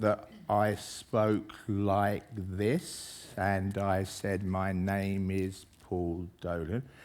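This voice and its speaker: Speaking with an English accent, a man uses a fairly low pitch. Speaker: professor, author giving a talk. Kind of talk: public talk. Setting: stage with audience. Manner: hesitant, many fillers.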